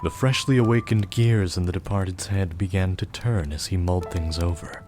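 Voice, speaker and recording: A man narrating a gothic audio drama as a somber storyteller, grave, measured and literary. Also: low voice, natural voice. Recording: loud music behind the voice.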